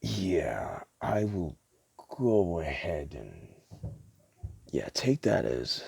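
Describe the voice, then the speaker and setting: A man doing a soft-spoken ASMR roleplay as a store clerk, talking in a casual, hesitant, rambling way. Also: sits low, very animated, extremely slow, vocal fry, husky, dry recording. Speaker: ASMR creator playing a DVD store clerk.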